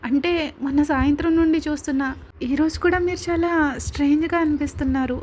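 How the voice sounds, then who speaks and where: A woman reading the part of a gentle young wife who speaks hesitantly and politely. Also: high-pitched, steady tone, fairly quick, slight background noise, lightly acted. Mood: puzzled.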